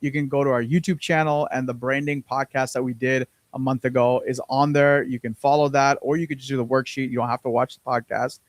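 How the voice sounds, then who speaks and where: Guy cohosting a podcast, rambly, lots of uh and um, repeats himself, mid pitch, dry close mic. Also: flat delivery, fairly quick, few pauses, no echo. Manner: rambling, repeats words, many fillers. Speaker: podcast co-host. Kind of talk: casual business podcast chat.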